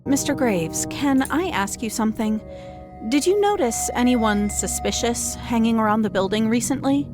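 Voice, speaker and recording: Young female receptionist, acted by a woman, fairly high voice, polite, uneasy, music behind. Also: expressive, moderate pace, lightly acted. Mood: questioning, uneasy. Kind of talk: video game voice acting.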